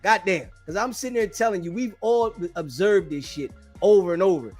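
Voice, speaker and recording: A man's voice: high voice, a little fast, a little mellow, soft background music. A man hosting a talk show, debating a caller in a brash, combative, profane and dismissive way. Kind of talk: heated call-in debate.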